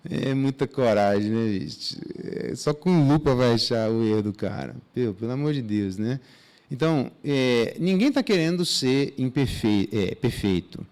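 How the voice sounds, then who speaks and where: Brazilian guy preaching at church, voice bouncing all over, chatty, slangy little asides. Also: medium pitch. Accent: Brazilian Portuguese. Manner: casual and animated, with slang asides and mock dialogues. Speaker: pastor. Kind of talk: expository Bible teaching.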